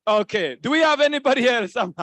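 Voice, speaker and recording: Playful high-voiced male event host. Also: lively intonation, fast, fairly bright tone, no echo. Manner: playful, repeats phrases to the crowd, laughs often. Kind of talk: lively crowd interaction. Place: conference hall stage.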